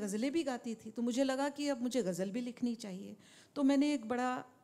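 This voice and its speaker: A woman's high-pitched voice, dark and mellow in tone, with ordinary pitch variation at a moderate pace. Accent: Bengali. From Rajasthan, India (Jodhpur); Rajasthan, India. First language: Bengali (speaking Hindi). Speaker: poet. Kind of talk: interview conversation. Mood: reflective, animated storytelling. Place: stage. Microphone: handheld.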